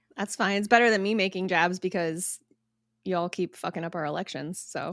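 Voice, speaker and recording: In an American accent, a woman with an unremarkable speaking voice talks at a fairly quick pace, medium in pitch and fairly even in intonation. The recording is very clean, with a silent background. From United States. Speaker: podcast host. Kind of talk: casual chat.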